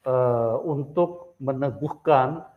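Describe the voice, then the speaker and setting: Man, interview host, mid-pitched, slow and hesitant, muffled audio. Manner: slow, measured, with many hesitations. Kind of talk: interview, steady backchannel. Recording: dull, muffled sound.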